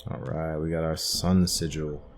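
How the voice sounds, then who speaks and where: A man's voice: rumbling low, flat delivery, measured pace, faint music behind. A man doing casual let's play commentary, musing and thinking aloud as he works through a video game. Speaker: gamer narrating a playthrough.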